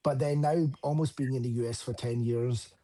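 Scottish male coach, interview guest, earnest and explanatory; mellow, raspy tone. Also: medium pitch, fairly even intonation, normal speed. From Scotland. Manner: earnest, explanatory, frequent fillers. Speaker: relationship coach and author.

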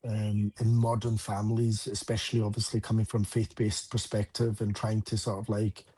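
A man's voice: on the low side, completely flat delivery, moderate pace, warm tone, breathy edge. A man from Scotland with a Scottish accent, a relationship coach talking at length about his book in an interview, with many fillers and restarts. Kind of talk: interview answer.

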